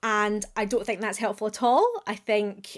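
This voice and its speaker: A woman with a Glaswegian accent speaks at a fairly high pitch. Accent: Scottish, Glaswegian, retained. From Glasgow, Scotland. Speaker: university professor and former teacher. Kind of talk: interview conversation. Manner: compelling, articulate.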